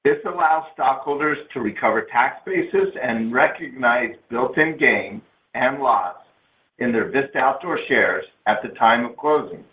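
Male corporate presenter, measured and formal scripted read, phone-band audio with noticeable room echo. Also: medium pitch, animated. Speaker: company executive on an investor earnings call. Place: conference call line. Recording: narrow phone-line sound, roomy echo.

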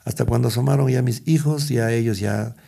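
A man's voice: medium pitch, a little fast, creaky, warm tone, breathy edge. A middle-aged man, telling stories as an interview guest, rambling with many restarts. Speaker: guest musician. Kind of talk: storytelling interview.

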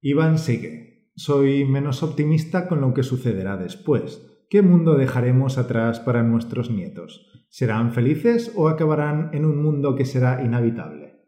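A man co-hosting a language-learning podcast, speaking and reading aloud in a measured, encouraging teacher's way. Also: medium pitch, lively intonation, dark tone, echoey room. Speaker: podcast co-host.

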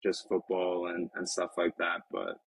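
A man in his twenties, a professional soccer player, talking reflectively in an interview with many halting restarts. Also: low-pitched, monotone, creaky, husky, no room sound, poor audio. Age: 20s. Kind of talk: casual interview talk. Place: Lisbon.

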